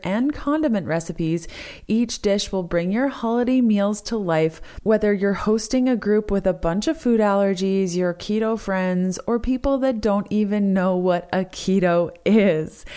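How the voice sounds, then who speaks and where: Hoarse, upbeat woman podcast host. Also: mid-range voice, mellow. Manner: upbeat and enthusiastic. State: hoarse, lost her voice. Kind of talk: solo podcast chat with sponsor reads.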